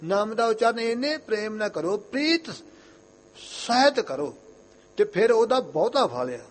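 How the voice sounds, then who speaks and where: A young man giving an earnest Sikh sermon, repeating his phrases and reciting scripture lines slowly in a chanting way. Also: sits high, sing-song. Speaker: Sikh preacher.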